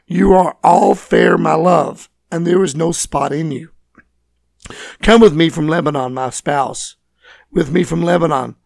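A man with a scratchy, hoarse voice, teaching and reading scripture as host of a Bible program. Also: a little high, a little slow, a little mellow, no room sound, studio quality. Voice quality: scratchy, raspy. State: hoarse from voice loss, recovering.

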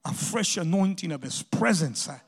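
Male pastor w a really high voice, preaching in spanish then english, keeps adding "ah" between lines, goes loud then hushed. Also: animated. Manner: preaches in Spanish, repeats each phrase in English; punctuates phrases with drawn-out "ah". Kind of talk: bilingual sermon.

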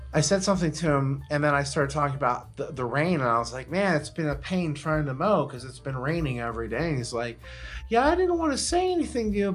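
A man with a fairly high voice tells stories in a loose, comedic podcast style. He grumbles in an animated, foul-mouthed way, and music plays behind him. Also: slightly rough. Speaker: podcast co-host. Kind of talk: casual comedic chat, storytelling.

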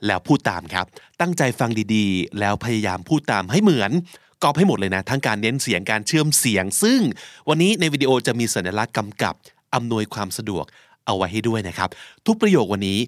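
A man hosting a language lesson podcast, upbeat, who repeats example phrases slowly for listeners to copy. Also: fairly low pitch, dry recording, studio quality. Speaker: podcast host and English teacher.

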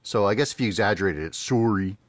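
A man's voice: on the low side, quick pace, dry recording. A man with a British Columbia Canadian accent, chatting casually and thoughtfully as a podcast co-host. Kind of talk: casual chat.

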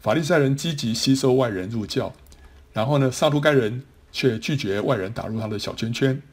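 A man's voice: mid-range voice, fairly quick, slightly rough. A man teaching a Bible class, explaining step by step with many trailing particles and small restarts. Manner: explanatory, frequent sentence-final particles and restarts.

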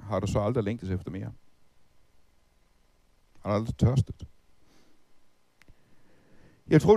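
A middle-aged man preaching with a mellow, warm tone and a lively, swinging pitch. He asks the listeners one rhetorical question after another. The recording is dry and close, with no room sound. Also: no echo. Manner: lively, rhetorical questions, recites hymn verses. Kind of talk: Bible teaching talk.

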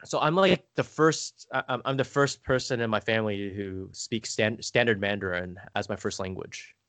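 A man's voice: on the low side, moderate pace, fairly bright tone, no echo. Rambling man, dry close sound. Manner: rambling, hesitant, frequent filler "like". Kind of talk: casual conversation.

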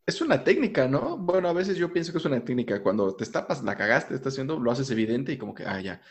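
A man talks over a video call in a relaxed, easygoing way. His voice is mid-pitched as he hosts a casual chat and asks his guest questions. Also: fast talker. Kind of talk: casual remote conversation.

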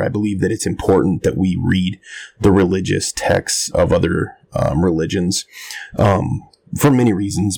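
A man with a hoarse, raspy voice that keeps threatening to give out, talking casually and haltingly as a pastor hosting a podcast. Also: lowish voice, darkish tone, dry recording. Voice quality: raspy, rough voice that is partly lost. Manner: halting, searching for words. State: hoarse, losing his voice.

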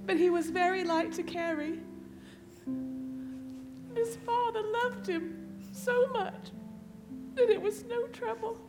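An actress playing a gentle, grieving mother and devoted wife in a live radio play, speaking tenderly and carefully. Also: extremely high pitch, slow, pauses often, over loud music. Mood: tender sorrow. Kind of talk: theatrical radio play acting. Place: theatre stage, live before an audience. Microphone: shared stage microphone.

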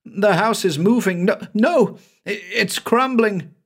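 A terrified, guilt-haunted man, as a male narrator puts him on, shrieking in a high, shrill voice. His pitch leaps and swoops wildly, and the words come out slow and dragged. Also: very animated, fairly bright tone, full character voice. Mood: panicked. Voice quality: shrill, frantic. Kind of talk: dramatic audiobook reading.

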